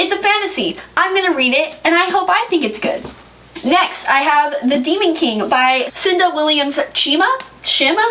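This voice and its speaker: Lively intonation carries the speech at a moderate pace. Noticeable background noise is present. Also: woman. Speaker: book youtuber. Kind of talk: casual vlog talk to camera. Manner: animated.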